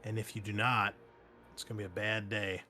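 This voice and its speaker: A man's voice: lowish voice, little pitch movement, brisk, pushed and bright, faint music behind. A man running a tabletop roleplaying game as game master, switching between vivid descriptive narration and casual rulings.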